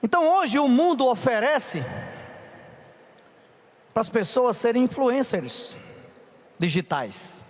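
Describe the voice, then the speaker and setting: A middle-aged preacher with a high voice, talking in a chatty, playful way and turning to the crowd for help. His voice carries a long echo through a large conference hall. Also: very animated, slow pace, pauses often, slight background noise. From Paraíba, Brazil. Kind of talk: youth conference sermon. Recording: reverberant hall.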